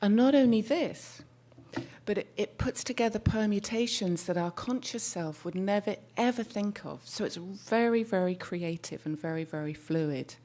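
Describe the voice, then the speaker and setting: At a medium pitch and moderate pace, a soft-spoken woman who works as a therapist addresses an audience through a mic she leans into. Her delivery is thoughtful, with occasional restarts while she hunts for words.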